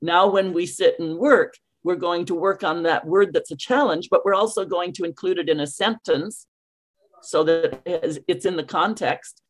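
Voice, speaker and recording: An older Canadian woman coaching English on a video call, speaking with crisply enunciated words and an emphatic, storytelling manner. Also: lowish voice, moderate pace. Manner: warm, emphatic, storytelling, with clearly articulated words. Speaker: ESL coach.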